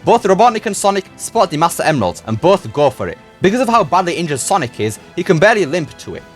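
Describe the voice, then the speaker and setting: A man's voice: high voice, big pitch swings, fast talker. A man reading a scripted movie review as a voice-over, slipping into casual, slangy turns of phrase. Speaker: YouTube film reviewer and host. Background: music.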